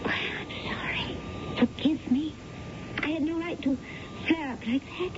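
A woman's voice: sits high, measured pace. An actress playing a flirtatious, effusive woman client in a radio drama, with theatrical delivery. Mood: demure, admiring. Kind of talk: 1970s radio drama acting. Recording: dull, noisy vintage radio broadcast.

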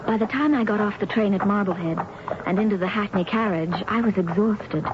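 A woman's voice: mid-range voice, a little fast, natural voice. An actress playing an anxious, reserved young woman in a turn-of-the-century radio drama, speaking formally and guardedly. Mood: weary, troubled. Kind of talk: 1970s radio drama acting, first-person narration and dialogue. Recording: dull, noisy old radio recording.

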